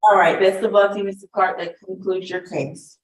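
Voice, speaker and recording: A woman judge running a courtroom plea hearing, asking formal questions in a brisk, measured way. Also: medium pitch, fairly even intonation, echoey room. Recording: distant mic with faint noise.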